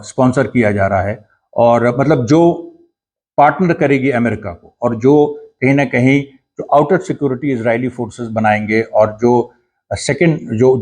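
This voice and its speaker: A man giving an earnest, explanatory commentary monologue, pausing and restarting often. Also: medium pitch, a little mellow, slightly rough. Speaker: political commentator.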